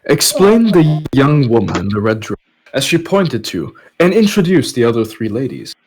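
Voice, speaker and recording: Guy reading a novel chapter on a podcast, animated pitch, storytelling style. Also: moderate pace, slightly rough, low-quality recording. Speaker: podcast host and narrator. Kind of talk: story narration with casual asides.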